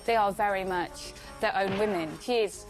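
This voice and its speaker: A woman's voice: medium pitch, moderate pace. Woman in a doc interview, frank and opinionated, music behind her. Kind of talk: documentary interview. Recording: music under the voice.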